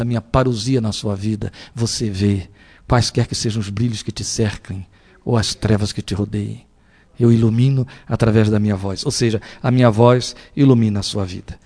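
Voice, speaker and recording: A male pastor preaching a sermon in an animated way, often asking the congregation rhetorical questions. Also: medium pitch.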